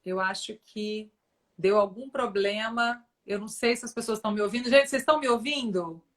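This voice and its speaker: A woman's voice: medium pitch, a little fast. A woman hosting a casual live stream, chatty and addressing viewers directly. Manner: chatty, fillers like né, talks to audience.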